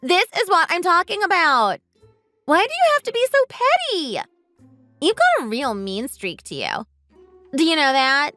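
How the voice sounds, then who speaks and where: A woman's voice: very high voice, wildly swooping pitch, a little slow, pushed and bright, no echo, soft background music, voice pushed up, exaggerated voice. A woman voicing a vain, scheming young woman who taunts in a smug, sing-song way. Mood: taunting.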